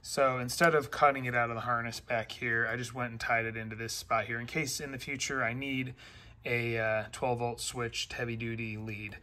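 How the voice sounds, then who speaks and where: A man's voice: mid-range voice, level tone, moderate pace, pushed and bright. A middle-aged man talking through his car build in a garage, plainly and methodically, with lots of "uh" and "um". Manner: plain, methodical, many "uh" and "um" fillers. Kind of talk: casual build-update narration. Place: garage workshop.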